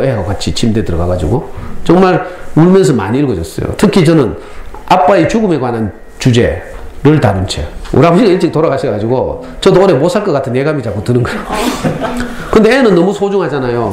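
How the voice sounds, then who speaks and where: A middle-aged man with a Gyeongsang Korean accent, giving a lively parenting lecture to school parents and acting out lines as he tells stories. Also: medium pitch, a little hiss or hum. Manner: lively storytelling, acts out lines. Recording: echoey hall, faint ambience.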